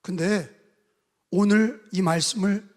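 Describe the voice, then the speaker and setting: A man preaching a sermon as pastor, telling the story dramatically and acting out the voices, his volume swinging from loud to soft. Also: high-pitched, fairly even intonation, takes it slowly. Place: church sanctuary. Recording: long hall reverb.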